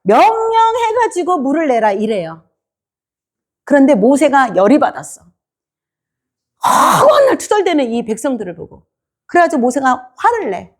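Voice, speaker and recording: A woman's voice: sits high, huge pitch swings, moderate pace, long pauses. A woman preacher giving a sermon in a church, quizzing her congregation and acting out the people she talks about. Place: church sanctuary.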